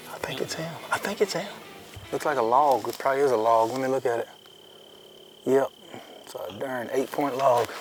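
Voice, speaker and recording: A man speaks at a fairly quick pace and a medium pitch, with ordinary pitch variation. Long, frequent pauses break up his speech, and background noise is noticeable. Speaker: hunter. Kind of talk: casual chat. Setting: outdoors.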